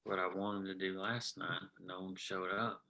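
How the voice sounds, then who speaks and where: Guy reading self-doubting union leader husband, really deep voice, super bright and edgy. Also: flat delivery, normal speed, low-quality recording. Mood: earnest, tender. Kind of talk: script table read.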